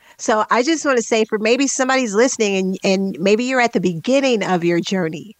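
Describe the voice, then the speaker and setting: A woman speaks with lively intonation, the sound dry and close with no echo and the background quiet. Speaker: podcast host. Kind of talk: casual interview chat. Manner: animated, high energy.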